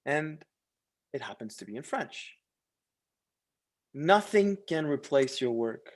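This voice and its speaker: Slow-paced man presenting a language course. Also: medium pitch, big pitch swings. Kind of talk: promotional course presentation, partly read aloud.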